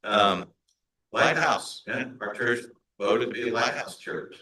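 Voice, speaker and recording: A male pastor with a Hispanic American accent, giving a relaxed presentation to a church meeting, with frequent fillers and restarts. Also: lowish voice, slow, slight background noise. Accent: Hispanic American English. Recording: echoey meeting room.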